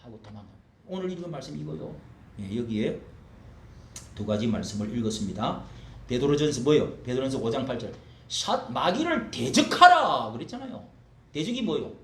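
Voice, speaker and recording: A man preaching a sermon as a pastor, emphatic, swinging between loud bursts and low asides, in a church sanctuary. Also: sing-song, fairly quick, long pauses. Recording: echoey hall, faint ambience.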